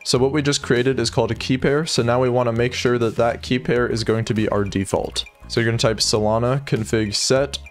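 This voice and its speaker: Young man giving steady coding steps. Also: medium pitch, a little fast, few pauses, soft background music. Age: young adult. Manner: steady step-by-step instructions. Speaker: coding tutorial host. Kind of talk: screen-recorded coding tutorial. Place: small home studio room, indoors. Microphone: seen studio desk mic on arm.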